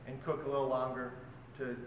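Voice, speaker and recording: A man's voice: mid-range voice, brisk, highs cut off. A man in his forties, a chef teaching a cooking class and explaining each step as he works. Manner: relaxed, explains while working with his hands. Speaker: chef instructor. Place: large hotel function room, indoors. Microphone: far camera. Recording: echoey hall, voice from far off, loud background noise.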